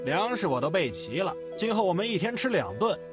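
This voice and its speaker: A man playing a loud, cruel, gleeful bandit thug in a visual novel, brash and threatening in a theatrical way. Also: high-pitched, very animated, fairly quick. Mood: bossy, stern. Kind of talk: voiced visual novel dialogue in Mandarin. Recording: music playing loudly behind.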